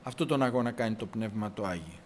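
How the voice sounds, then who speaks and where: A man's voice: lowish voice, a little hiss or hum. A man preaching a sermon in Greek, telling biblical stories with acted-out dialogue and repeating words for emphasis. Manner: animated storytelling, acting out biblical dialogue.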